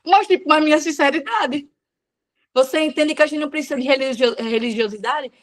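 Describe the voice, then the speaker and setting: A woman's voice: high voice, fairly quick. A woman giving an informal devotional talk to women, speaking frankly and conversationally with everyday slang.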